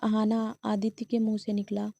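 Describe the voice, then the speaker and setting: A woman narrates a family drama and reads every character in much the same voice. Her delivery stays level and even, with a mellow, dark tone. The recording is a dry, close voice-over. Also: medium pitch, normal speed, vocal fry, slightly rough, no room sound. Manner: reads all characters in her own voice, little change. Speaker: storyteller.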